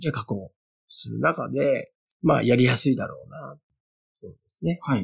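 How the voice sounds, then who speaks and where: A man at a moderate pace, with long, frequent pauses, big swings in loudness, and a dry, close sound with no echo. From Tokyo (Ueno, Taito ward). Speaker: galette cafe owner. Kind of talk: interview, casual conversation.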